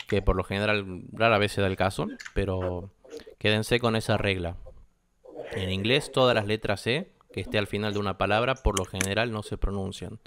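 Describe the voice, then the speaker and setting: A man's voice: lowish voice, fairly bright tone, a little hiss or hum. A young Argentine man teaching English in a classroom, explaining step by step and checking that students follow. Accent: Argentine Spanish. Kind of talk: classroom lesson.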